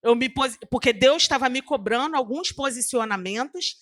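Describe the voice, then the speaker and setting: A woman's voice: high voice, normal speed. A woman preacher telling her testimony in a sermon, with emotional storytelling that acts out the dialogue and with asides to the audience.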